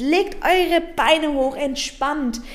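The voice belongs to a woman. She keeps her intonation fairly even. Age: young. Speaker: podcaster. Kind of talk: casual chat.

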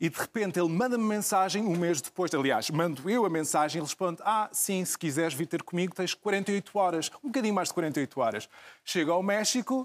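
A man's high-pitched voice with lively intonation, a moderate pace, hardly any pauses, and a dry, close sound with no echo. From Brazil. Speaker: documentary filmmaker. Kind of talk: interview.

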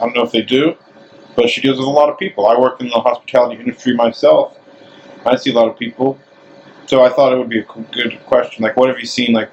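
Over noticeable background noise, a man with a medium-pitched voice talks at a very fast pace with fairly even intonation and long, frequent pauses. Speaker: podcast host. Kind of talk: casual interview chat. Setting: late at night, roadside.

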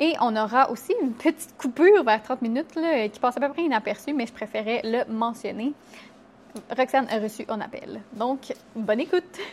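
A woman speaks at a moderate pace. Her voice is high-pitched with ordinary pitch variation. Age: 20s. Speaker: podcast host and artisan entrepreneur. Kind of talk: casual interview chat; scripted intro and outro. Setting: her workshop.

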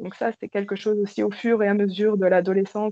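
Speaking at a moderate pace, a woman has a medium pitch and a dark, mellow tone. The sound is dry and close, with no echo. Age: 20s. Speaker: reiki practitioner. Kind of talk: interview. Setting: remote call. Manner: halting. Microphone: poor sound, recorded remotely.

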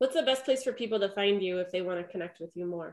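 Over a quiet background, a woman at a medium pitch talks at a moderate pace with ordinary pitch variation. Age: 30s. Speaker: podcast host and health coach. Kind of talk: casual interview chat.

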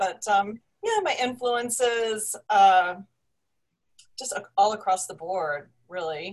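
With an American accent, a woman speaks at a medium pitch and a very slow pace. Her loudness swings widely, and she takes long, frequent pauses. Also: ordinary pitch variation. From Oklahoma. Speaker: guitarist and singer in a surf band. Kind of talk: casual interview chat.

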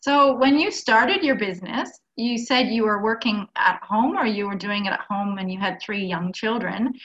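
A woman in a normal speaking voice talks at a moderate pace with ordinary pitch variation and hardly any pauses. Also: fairly high pitch for a woman. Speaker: podcast host. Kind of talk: interview.

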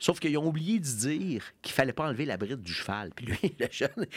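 A man speaks at a fairly quick pace in an animated tone, his pitch swinging very widely. The recording is very clean, with a silent background. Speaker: brewery spokesperson and storyteller. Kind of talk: storytelling.

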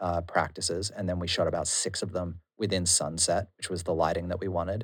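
A man with an Australian accent talks at a very fast pace in a very deep, low voice. His intonation is monotone and flat, on a very clean recording with a silent background. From Australia, Queensland (Noosa). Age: 30s. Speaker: rapper. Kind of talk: casual interview chat.

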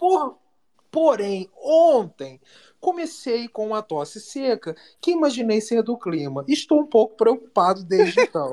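Her tone dark and mellow, a woman with a fairly high pitch speaks at a fairly slow pace with very wide pitch swings. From Brazil, inland small city. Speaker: podcast co-host. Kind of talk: casual live audio chat. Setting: live audio room online.

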